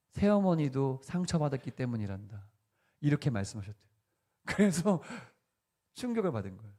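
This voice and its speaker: A man's voice: mid-range voice, darkish tone. Conversational male pastor preaching. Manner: conversational, asks the congregation questions with light humor. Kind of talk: sermon.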